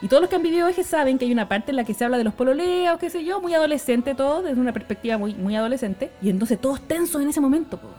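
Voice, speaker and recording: A woman's voice: high voice, lively intonation, fast talker, hardly any pauses, mellow, faint music behind. A young woman with a Chilean accent telling a story in a casual, slangy way, laughing often.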